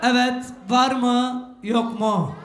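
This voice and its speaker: A man in his thirties announcing cash gifts at a wedding in a booming manner, calling out over a PA in a banquet hall. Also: fairly even intonation, takes it slowly, a crowd in the background. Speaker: wedding gift-ceremony announcer. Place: large banquet hall, indoors. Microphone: handheld microphone through PA. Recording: echoey PA in busy hall, music behind.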